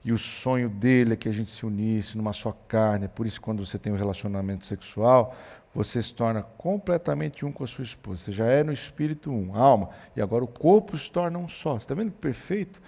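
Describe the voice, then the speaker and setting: Male pastor, gravelly, storytelling teacher, mid pitch. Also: a little fast. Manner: storytelling, animated when quoting his son. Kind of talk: church teaching on parenting.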